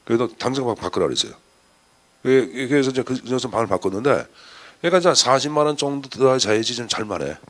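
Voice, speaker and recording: A man's voice: medium pitch, expressive, fast talker, a bit bright. A man giving a chatty exam-prep lecture, firing rhetorical questions at his students.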